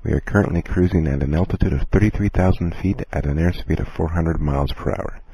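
Casting: calm, courteous airline captain played by a man, very low, mellow voice, measured scripted cabin announcement. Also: vocal fry, slightly rough, no room sound, full character voice, poor audio. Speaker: airline captain in a listening lesson.

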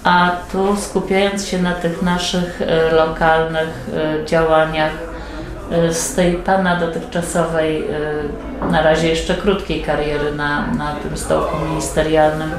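A woman interviewer asking long, winding questions in a steady, level manner, with frequent murmured acknowledgements. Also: deep voice, measured pace, a crowd in the background. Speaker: interviewer, local newspaper host. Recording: echoey office room, faint background hum.

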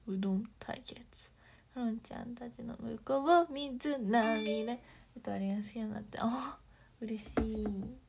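A young idol livestreamer chats warmly and bubbly, reading out comments and thanking viewers at an unhurried pace. Her slightly high voice has a husky, gravelly texture, and she sometimes slips into soft, whispery asides.

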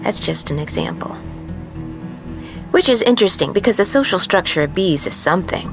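A woman playing a weary, haunted truck driver, musing in a hushed, halting monologue for a fiction podcast. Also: medium pitch, expressive, over music, natural voice. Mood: wry, wistful. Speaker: narrator of serial fiction podcast. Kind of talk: dramatic first-person audio fiction monologue.

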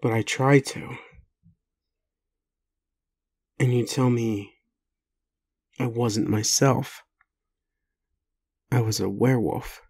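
A man plays a gentle werewolf man in an intimate roleplay audio. He talks very slowly at a medium pitch, halting and groggy. His manner is that of a tender, doting caregiver who doubts what he is told. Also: steady tone, vocal fry, breathy edge, exaggerated voice. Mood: confused, gentle.

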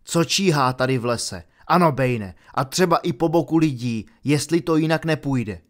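A man voicing a young male centaur in an audiobook, speaking in a measured, earnest way. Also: on the high side, lightly acted. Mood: indignant. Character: young male centaur, calm grave protector. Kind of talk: audiobook character voice.

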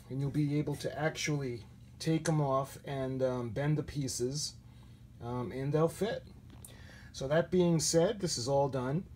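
A man giving a casual hands-on hobby tutorial, thinking aloud in a halting way as he works at home. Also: mid-range voice, darkish tone. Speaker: hobby model builder, video host. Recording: noisy handheld home video sound.

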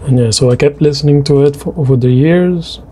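This artist's voice is a little high, mellow, and husky, and he talks fairly quickly. He speaks French natively, has a French Canadian accent, and casually narrates his drawing video and his tastes, hesitating and restarting often.

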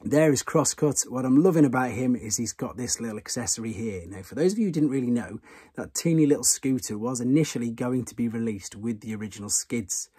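Husky-voiced man chatting about toys. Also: medium pitch, brisk, dark tone. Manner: chatty, enthusiastic, repeats himself. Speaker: toy channel host. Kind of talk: casual toy news vlog. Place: room with toy shelves behind.

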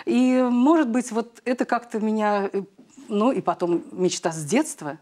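A woman's voice: on the high side, moderate pace, dark tone. A middle-aged woman, a singer, answering interview questions in a TV studio, chatty, with frequent hesitations, on a lapel mic. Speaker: guest singer.

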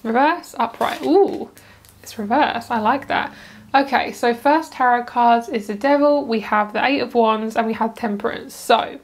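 A chatty woman with a slightly high voice reads tarot cards at home. She rambles cheerfully, stops herself mid-thought and wanders into side comments before getting back on track. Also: a little slow. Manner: chatty, rambling, self-interrupting with asides. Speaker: tarot reader. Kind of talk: casual pick-a-card tarot reading.

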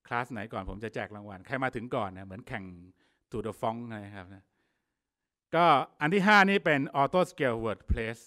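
A man's voice: fairly low pitch, big pitch swings, unhurried, bright, forceful tone. A middle-aged man presenting a technical workshop, explaining in a casual way with fillers and polite particles. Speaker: workshop speaker.

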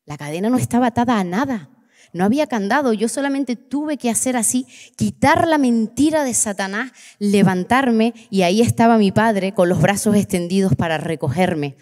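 A woman, preaching and giving her testimony, impassioned, slowing down on key words for emphasis. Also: medium pitch, animated, darkish tone. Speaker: preacher leading a church workshop. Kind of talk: sermon with personal testimony. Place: church hall. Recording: long reverberant church hall.

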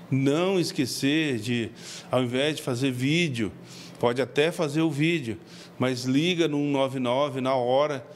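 Halting Brazilian official at a press mic. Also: male voice, mid-range voice, a little hiss or hum. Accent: Brazilian Portuguese. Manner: halting, many "é" fillers, explanatory. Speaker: civil defense official. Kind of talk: press interview. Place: indoors before a press backdrop. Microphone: several handheld reporter mics.

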